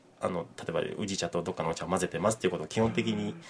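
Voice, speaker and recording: Noticeable background noise is present. Through it, a man talks in a very deep, low pitch. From Nagoya, Japan. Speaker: tea farmer and company head. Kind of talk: radio interview.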